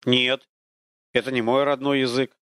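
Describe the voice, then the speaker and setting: A man's voice: medium pitch, little pitch movement, unhurried, fairly bright tone, smooth, no echo, clean studio sound, lightly acted. A man voicing a lost, nervous young man who answers hesitantly and stammers. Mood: bewildered.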